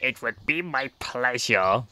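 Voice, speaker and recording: A man voicing a brash male talking bird hero in a hobby audio play, with blunt, quick-tempered retorts. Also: medium pitch, expressive, sharp tone, slight background noise, exaggerated voice.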